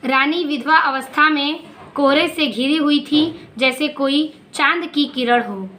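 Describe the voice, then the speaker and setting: A woman teacher explaining a poem line by line, reading the verses slowly and then explaining them in plain words. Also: high voice, sharp tone, a little hiss or hum.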